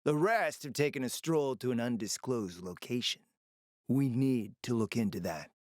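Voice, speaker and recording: A man's voice: medium pitch, normal speed, darkish tone, no echo, studio quality, close to an everyday voice. A man acting in a video game as a suave, scheming spymaster and black-market dealer, with a sly, urbane, theatrical delivery. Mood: smug, sly.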